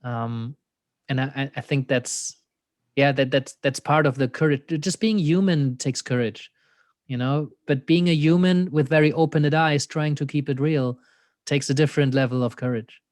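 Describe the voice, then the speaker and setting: In a reflective conversational interview, the guest is an existential coach with a German accent who laughs often and relies on "you know." His mid-range voice is a little mellow and moves at normal speed. The recording is dry and studio-clean.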